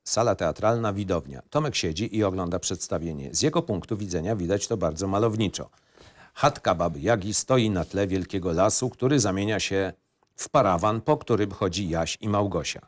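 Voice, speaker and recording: A man with a fairly low voice narrates a film script. He reads out scenes and stage directions as the narrator of an audio play. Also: lively intonation, normal speed.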